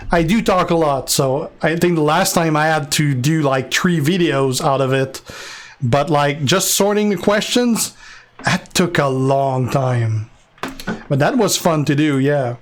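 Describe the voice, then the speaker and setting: A young Canadian man with a French Canadian accent answers viewer questions on a live game stream, relaxed and rambling with fillers and restarts. His voice sits a little high, and there's slight background noise.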